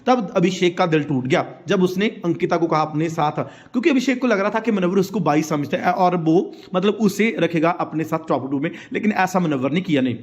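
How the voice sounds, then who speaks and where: A man's voice: sits high, brisk, few pauses. A man giving a casual, opinionated recap of reality-show gossip, chatty and often correcting himself mid-sentence. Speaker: entertainment news commentator.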